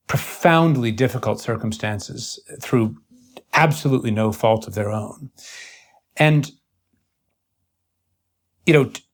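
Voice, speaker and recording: Earnest, deliberate man in intellectual conversation. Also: medium pitch. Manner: earnest, deliberate, halting with repeated phrases. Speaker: interviewer in a long-form conversation.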